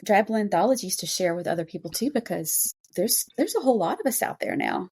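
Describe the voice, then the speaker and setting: A woman's voice: mid-range voice, animated, fast, darkish tone, breathy edge. A woman hosting a casual interview podcast about writing, speaking in an encouraging, affirming way. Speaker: podcast host interviewing a writer.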